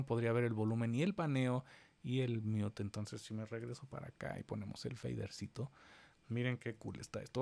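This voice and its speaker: A man, giving a step-by-step screen-recorded software lesson and talking straight to his viewers. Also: medium pitch. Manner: explains step by step, addressing viewers directly. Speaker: instructor.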